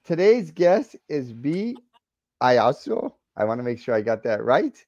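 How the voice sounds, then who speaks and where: A man's voice: mid-range voice, big pitch swings, measured pace, darkish tone, dull audio. A man hosting a podcast interview, asking loose, rambling questions and restarting them often. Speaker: podcast host. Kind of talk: casual interview.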